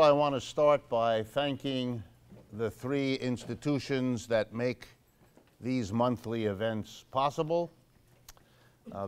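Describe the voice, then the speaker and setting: An older man hosting a monthly public talk in a church, introducing sponsors in a relaxed way with dry jokes and frequent fillers. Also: on the low side, clear, resonant tone. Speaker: host of a monthly public lecture event. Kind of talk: casual spoken introduction to a live audience. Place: church hall before a seated audience.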